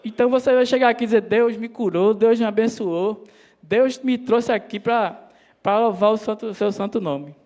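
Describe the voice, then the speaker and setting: A preacher with a high voice delivers a sermon in a church. He calls the congregation his brothers and drops his voice lower when quoting God. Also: normal speed, a little mellow.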